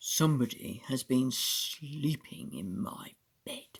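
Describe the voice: In a put-on character voice, a man growls in a gruff, medium-pitched tone at a fairly slow pace.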